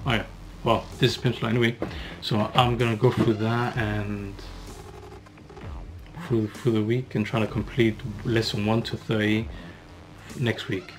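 A young man in his twenties recording a self-study language vlog in a small room, halting and correcting himself as he drills phrases. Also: on the low side, flat delivery, slight background noise, poor audio. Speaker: language learner vlogger. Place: small room with curtain backdrop.

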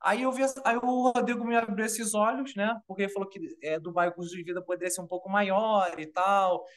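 A man in his thirties with a Carioca accent, chatting on a video call in a relaxed, rambling way. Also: high-pitched, brisk. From Rio de Janeiro, Brazil. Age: 30s. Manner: relaxed, rambling with fillers like "tipo" and "entendeu". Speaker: interview guest. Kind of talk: casual video-call chat.

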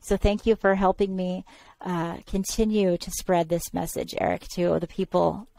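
A woman's voice: fairly low pitch, steady tone, normal speed, vocal fry, warm tone. A woman in her forties hosting a podcast interview over a video call, speaking enthusiastically and encouragingly into a headset mic. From California. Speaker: podcast host. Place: room at home.

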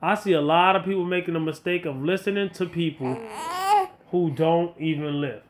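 A man in his late thirties with a slightly high voice, talking like a fitness vlogger. He is blunt and colloquial, stressing points by saying them again. There is some background noise behind him. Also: normal speed. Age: late 30s. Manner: blunt, emphatic, colloquial, repeats himself for emphasis. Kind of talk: casual motivational talk to viewers.

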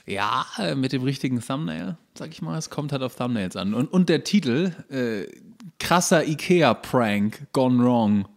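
A man's voice: mid-range voice, animated, a little slow. A man co-hosting a casual comedy podcast, chatting in a joking, rambling, ironic way. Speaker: podcast co-host.

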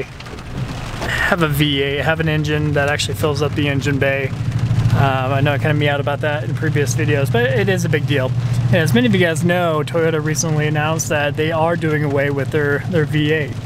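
A man hosting a car vlog, chatting casually while driving his truck, rambling with lots of fillers and restarts. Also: a little high. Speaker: car channel host. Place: inside a pickup truck driving in the rain. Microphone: camera mounted in the cab. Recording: rain drumming on the truck. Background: rain and road noise.

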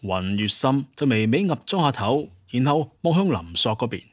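Male narrator, Cantonese accent, colloquial scripted storytelling, expressive, mid-pitched, dry close sound. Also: moderate pace, dry recording. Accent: Hong Kong or Guangdong Cantonese.

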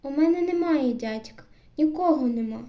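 A woman voicing a sullen, defiant peasant boy who is an outcast, throwing out sharp outbursts and grunts. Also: high-pitched, lively intonation, moderate pace.

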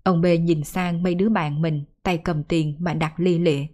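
A woman storyteller narrating a folk ghost story in a measured, even way. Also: on the low side.

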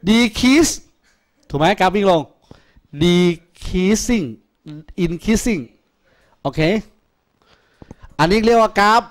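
A man's voice: sits high, lively intonation, unhurried, long pauses. A man teaching math in a classroom, teasing his students with crude jokes. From Thailand. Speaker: math tutor. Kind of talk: classroom lecture.

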